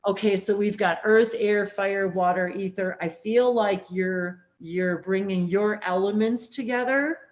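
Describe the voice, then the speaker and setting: A woman hosting a spiritual interview, talking in a rambling, animated way with plenty of fillers. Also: medium pitch, unhurried, hardly any pauses. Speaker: host. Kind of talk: casual spiritual interview chat.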